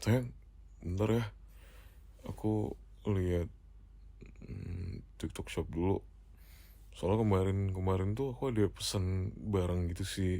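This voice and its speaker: A man's voice: deep voice, measured pace, vocal fry, pauses often, mellow, dry recording. A young man with an Indonesian accent, doing a whispered role-play as a playful, teasing husband who laughs often. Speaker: ASMR roleplay host.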